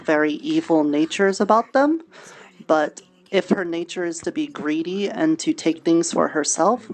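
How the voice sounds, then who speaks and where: A woman's voice: low-pitched, a little mellow, low-quality recording. A woman playing a friendly, chatty tailor in an improvised fantasy roleplay, talking casually with playful, cutesy word choices.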